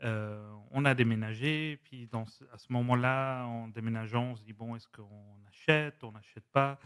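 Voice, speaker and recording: A man in his forties, a Spanish speaker, telling his story as a podcast guest in a measured, reflective way. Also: mid-range voice, fairly even intonation, a bit bright, clean tone. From Switzerland. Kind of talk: casual conversation.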